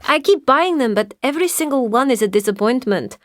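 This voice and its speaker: Woman from ukraine, warm, nostalgic, higher voice, dry. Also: lively intonation, fairly quick, no room sound. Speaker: interviewee in a listening exercise.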